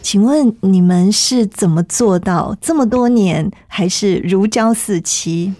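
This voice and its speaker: A woman's voice: medium pitch, slow, dark tone, dry recording. A woman hosting a conversational interview, asking questions politely and attentively. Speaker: interview host.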